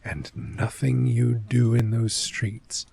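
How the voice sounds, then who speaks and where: A man playing a cynical, world-weary fort official in a soft-spoken ASMR fantasy role play, measured and sardonic, sometimes dropping toward a whisper. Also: mid-range voice, steady tone, creaky, slightly rough, heavily acted. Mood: ominous, resigned.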